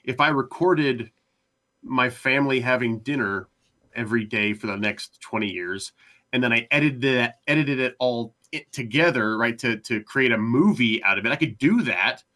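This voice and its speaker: A man with a bright, forward voice of middling pitch talks casually as a podcast panelist. He circles his point, hedging and repeating words as he goes. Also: moderate pace. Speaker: panelist on a podcast discussion show.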